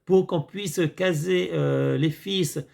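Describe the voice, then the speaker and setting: Rambling man with a gravelly voice. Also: on the high side, slow pace, darkish tone. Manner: rambling, hesitant with many fillers, addresses viewers as friends. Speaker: video commentator. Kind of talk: casual monologue reviewing a series.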